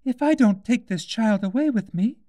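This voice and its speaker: A man's voice: high-pitched, lively intonation, moderate pace, dark tone, no room sound, clean studio sound, pitched above the performer's own voice. A man voicing a polite, curious young girl who speaks timidly and anxiously, in a storybook reading.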